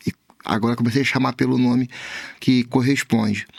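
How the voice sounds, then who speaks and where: An ordinary speaking voice, a man at medium pitch with fairly even intonation. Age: 30s. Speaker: communication strategist and former musician. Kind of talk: podcast interview.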